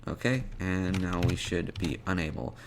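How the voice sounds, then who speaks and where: Male tutorial presenter, low and gravelly, thinking aloud in a casual, halting way over noisy typing. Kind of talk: casual step-by-step coding screencast narration. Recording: clear background noise, keyboard clicking and typing. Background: computer keyboard typing and clicks.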